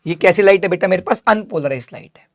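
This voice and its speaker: A man's voice: sits high, fast talker. A man teaching physics in an exam revision lecture, asking students questions and then answering them himself. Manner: calls students "beta", casual and direct.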